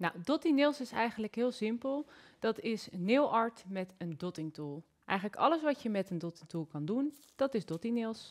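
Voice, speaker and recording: A woman's voice at a moderate pace, with very wide pitch swings. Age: 20s. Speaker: nail technician and product distributor; nail artist guest instructor. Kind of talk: tutorial. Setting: studio. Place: studio. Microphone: lapel.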